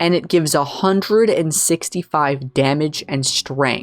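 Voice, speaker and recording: An animated tone over music in the background. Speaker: gaming youtuber. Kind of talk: gaming commentary.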